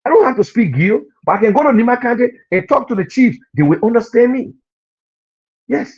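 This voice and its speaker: A Liberian man with a Liberian accent delivers heated political commentary in a high, swooping voice. His husky tone comes through dull, lo-fi broadcast audio. He hammers home each point by repeating it. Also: darkish tone. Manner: preachy, scolding, repeats points for emphasis. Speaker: radio and TV commentator.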